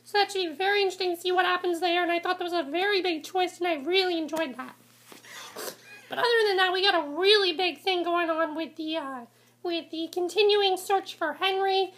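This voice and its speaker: A woman's voice: extremely high pitch, a little fast, fairly bright tone. A woman casually reviewing a TV episode, congested from a cold, rambling with many ums and restarts.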